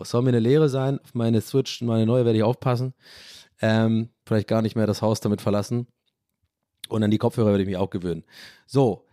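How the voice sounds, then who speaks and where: A man's voice: mid-range voice, mellow, no echo, clean studio sound. A young man hosting a casual solo podcast, rambling and ranting with casual swearing. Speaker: podcast host.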